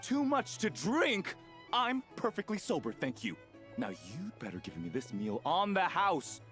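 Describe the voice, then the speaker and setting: An actor voicing a rude, drunk diner in a game who blusters and demands. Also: male voice, high voice, huge pitch swings, measured pace, fairly bright tone, faint music behind, exaggerated voice. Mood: indignant. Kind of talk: game voice acting.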